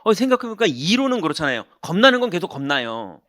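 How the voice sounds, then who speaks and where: A man preaching as a pastor, telling a personal story in an animated way and acting out the people in it. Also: high-pitched, fast talker, dry recording, studio quality. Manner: animated, acts out quoted voices, shouts punchlines. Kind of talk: sermon with storytelling. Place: church sanctuary.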